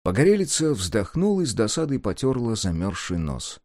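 A man narrating a fairy-tale audiobook with a lively storytelling manner. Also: fairly low pitch, brisk, dry recording, studio quality.

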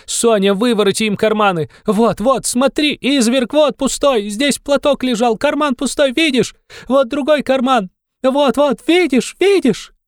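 A man's voice: extremely high pitch, measured pace, no echo, clean studio sound, pitched above the performer's own voice. A man voicing a hysterical destitute widow who shrieks frantic insults. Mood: shrieking fury.

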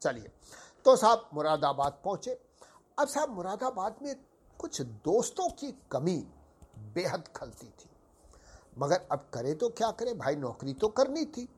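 An older man from Uttar Pradesh, India, hosts a podcast, slowly reminiscing through a story in a formal, courteous manner and calling his listeners sahib. His throat is sore and hoarse, and his high-sitting voice has a sing-song lilt at a measured pace.

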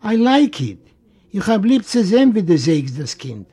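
A man's voice: high-pitched, very animated, moderate pace, warm tone, husky, voice pushed up, exaggerated voice. A man voicing a fussy, affectionate old uncle in a storybook reading. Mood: coaxing. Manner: coaxing, fussing.

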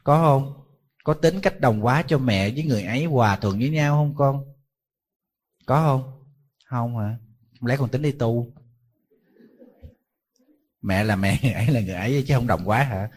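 A husky-voiced man, a Buddhist monk, delivers a sermon. He tells it like a conversation, relating stories and asking his listeners rhetorical questions. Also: mid-range voice, normal speed, long pauses. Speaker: Buddhist monk giving a dharma talk.

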